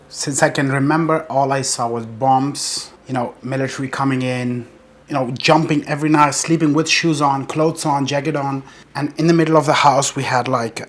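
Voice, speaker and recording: A man's voice: mid-range voice, a bit bright. A man from Afghanistan, a professional bodybuilder, telling his life story in an earnest, determined interview monologue.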